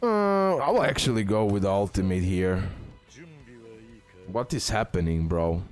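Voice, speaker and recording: Man, lowish pitch, excitable game commentary, repetitive phrasing, addresses viewers, light background music. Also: measured pace. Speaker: gaming content creator, host. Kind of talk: casual gameplay showcase commentary.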